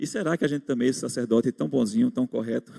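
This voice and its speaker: Recorded dry and close with no echo, a man with a dark, mellow tone and medium pitch speaks at a fairly quick pace with lively intonation. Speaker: Sunday school teacher. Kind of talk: Bible class lecture. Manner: fast.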